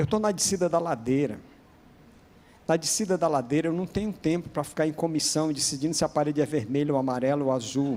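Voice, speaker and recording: The voice has a dark, mellow tone and very even loudness. It moves at a fairly quick pace with ordinary pitch variation. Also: man, fairly high pitch for a man. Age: 60s. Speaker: pastor. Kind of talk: sermon.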